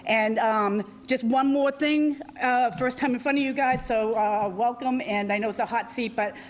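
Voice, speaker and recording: A woman in her sixties with a loud voice, speaking off the cuff at a town council meeting, chatty and full of fillers. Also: fairly high pitch, steady tone, normal speed, a little hiss or hum. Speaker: local businesswoman and commission chair. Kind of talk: unscripted public comment.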